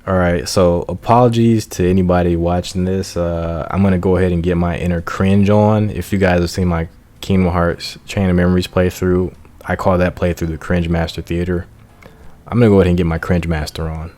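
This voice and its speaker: A man's voice: low-pitched, little pitch movement, brisk, dark tone. A man giving casual, informal and self-deprecating commentary as the host of a video game playthrough. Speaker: let's play host. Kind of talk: casual gaming commentary with read-out game text. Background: music.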